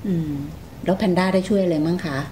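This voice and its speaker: A woman hosting a conversational interview, gently prompting her young guests with questions. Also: fairly low pitch, level tone, fast talker. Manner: gently prompting, calls herself "big sister" to young guests. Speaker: radio programme host interviewing two young sisters. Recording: faint background noise.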